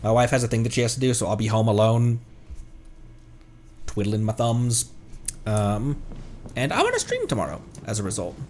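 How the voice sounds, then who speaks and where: An American man chatting casually on a game livestream in a rambling, halting way. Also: fairly low pitch, wildly swooping pitch, darkish tone, slight background noise. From American Midwest and Tornado Alley region. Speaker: game streamer. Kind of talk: casual livestream chat over gameplay. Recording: game music behind the voice. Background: video game music.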